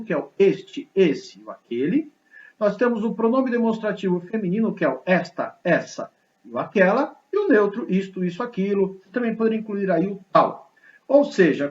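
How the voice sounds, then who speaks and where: A man teaches a grammar lesson, keeping his students engaged with a lively, explanatory style. His voice sits high for a man. The recording sounds a little muffled and lo-fi. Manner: lively, explanatory, asks students rhetorical questions. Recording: slightly dull lo-fi recording.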